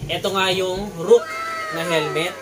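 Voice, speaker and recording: A Filipino motorcycle vlogger and product reviewer chats casually during an unboxing, mixing in English terms. His voice sits high and his pace is measured. The background is noisy, with prominent guitar music playing behind him.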